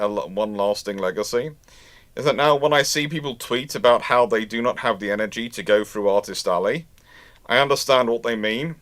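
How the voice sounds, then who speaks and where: Male history streamer, mid-pitched voice, casual and rambling delivery with repeated restarts, dry recording. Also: a bit bright, dry recording. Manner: halting, rambling, repeats and rephrases words. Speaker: livestream host, naval historian. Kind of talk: casual chat, answering viewer questions.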